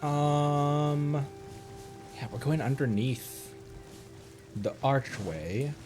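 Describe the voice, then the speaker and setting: A man's voice: mid-range voice, extremely slow, darkish tone, faint music behind. A man doing casual live game commentary, playfully muttering to himself and chatting to his viewers. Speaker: streamer.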